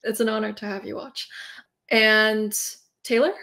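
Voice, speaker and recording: A woman hosting a group video call, upbeat and brisk as she introduces each guest. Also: mid-range voice, steady tone, creaky, sharp tone. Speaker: host.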